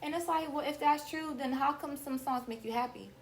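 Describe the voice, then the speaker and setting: A woman's voice: sits high, brisk, background noise. An American woman hosting a casual podcast conversation, speaking in a direct, assertive, advising manner.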